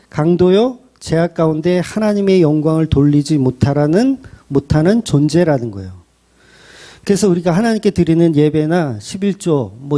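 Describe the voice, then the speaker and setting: A man's voice: a little high, mellow. A man pastor delivering a blunt, colloquial sermon full of rhetorical questions.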